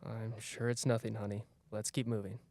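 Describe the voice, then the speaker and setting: A man's voice: lowish voice, flat delivery, moderate pace, darkish tone, no room sound, natural voice. A man playing a dismissive, placating husband in a student radio play acted live. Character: dismissive husband on an anniversary getaway, placating his wife. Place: radio studio with live sound effects. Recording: faint background noise, live studio sound effects.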